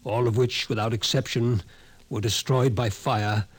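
An actor playing a wry, doom-saying psychology professor in a 1950s radio drama, dry and theatrical, on a vintage recording. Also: male voice, mid-range voice, steady tone, a little slow, slightly rough. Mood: grave, ominous. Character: scrawny male psychology professor, wry, ominous doomsayer.

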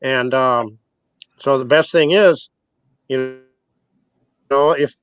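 A man's voice: mid-range voice, takes it slowly, a bit bright, dull audio. A man in his sixties being interviewed, talking in a rambling, folksy way and chuckling between points. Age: 60s. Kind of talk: casual spoken interview.

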